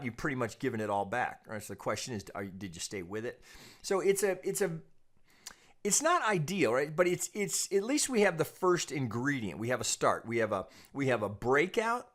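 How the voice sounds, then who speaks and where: A man giving an informal technical analysis lesson as a trading analyst, explaining in a measured, cautious way with repeated phrases and frequent check-ins. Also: mid-range voice, a bit bright. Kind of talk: informal technical analysis commentary over charts.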